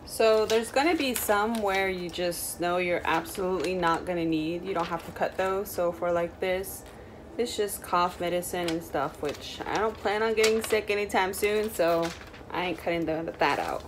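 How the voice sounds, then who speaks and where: A woman's voice: lowish voice, moderate pace, background noise. A young woman with a Native American reservation accent, talking in a casual, informal, rambling vlog style. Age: young adult. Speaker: vlogger. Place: small room indoors.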